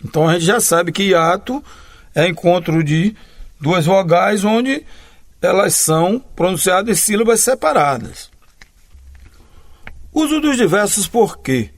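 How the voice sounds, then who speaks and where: A male grammar teacher giving a lesson, spelling out letters one by one and answering his own questions. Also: high-pitched. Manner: slow, deliberate, spells out letters and pauses between phrases. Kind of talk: recorded classroom lesson.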